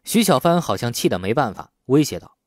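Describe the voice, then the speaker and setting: A man's voice: mid-range voice, big pitch swings, a little fast, dry recording, clean studio sound. A man reading scripted, dramatic story narration as an audiobook narrator.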